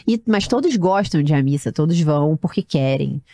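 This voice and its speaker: Chatty, quick-talking woman on a podcast. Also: low voice, dry recording, studio quality. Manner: lively, chatty storyteller who acts out family dialogue. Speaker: podcast guest, mother of seven. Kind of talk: casual chat.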